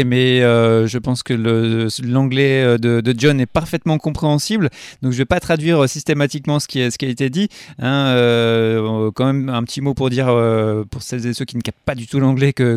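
Male radio host, smooth clear voice, dry studio, hesitant bilingual questioning. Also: mid-range voice, darkish tone, no echo. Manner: halting, many fillers and restarts. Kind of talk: radio interview, translating for listeners.

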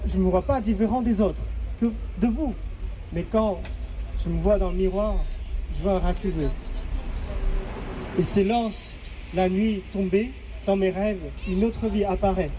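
A young man from Inner Mongolia in China, whose first language is not French, giving a slow, halting and earnest personal testimony at a public event. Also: high-pitched, muffled recording, noisy background. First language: a language of his home village.

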